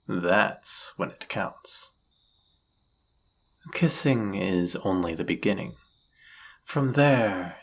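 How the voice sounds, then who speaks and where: A man playing an arrogant demon prince of lust in an audio roleplay, speaking in a suave, condescending, flirtatious manner with a husky, gravelly voice. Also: lowish voice, exaggerated voice. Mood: sultry, explanatory. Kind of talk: scripted audio roleplay addressed to the listener.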